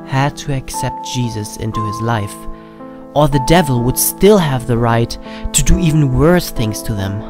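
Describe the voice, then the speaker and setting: Prominent piano music plays under a man's medium-pitched voice. He narrates a scripted first-person horror story, telling it as a personal recollection. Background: prominent piano and keyboard music.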